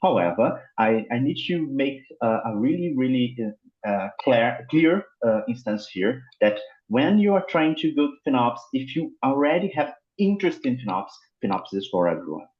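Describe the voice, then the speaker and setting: A man's voice: mid-range voice, sing-song, normal speed. A Brazilian man speaking English as a second language on a panel, hesitant with many fillers and repeats. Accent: Brazilian Portuguese. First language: Portuguese. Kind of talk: casual panel talk. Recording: roomy, dull video-call audio.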